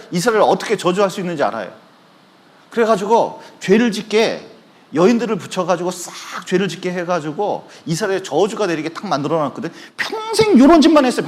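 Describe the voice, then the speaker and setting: A man with a high, lively voice preaching a sermon in a church. He tells his stories with energy, acting out the people in them. His pitch swings widely as he speaks. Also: brisk. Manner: animated storytelling, acting out quoted voices. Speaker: pastor. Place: church sanctuary.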